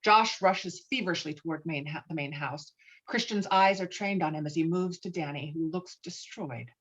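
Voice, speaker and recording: A woman's voice: deep voice, moderate pace, highs cut off. A woman reading stage directions as the narrator of a dramatic script.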